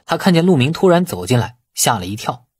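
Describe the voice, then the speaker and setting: A male audiobook narrator reads scripted fiction in dramatic fashion. His mid-pitched voice has a husky grain, recorded very dry. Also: big pitch swings, fairly quick, no room sound.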